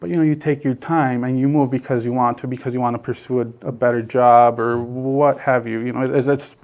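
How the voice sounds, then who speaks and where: As an interview guest, a middle-aged South Texas man who first spoke Basque tells his family story casually, stumbling through many fillers and restarts. His mid-range voice is darkish in tone, fairly quick, with fairly even intonation.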